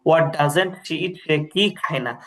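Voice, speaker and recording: A man's voice: on the high side, noisy background. A man tutoring English grammar, patiently repeating drills and checking that the student understands. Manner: reads English sentences slowly, then gives the translation. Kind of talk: explaining grammar in a lesson.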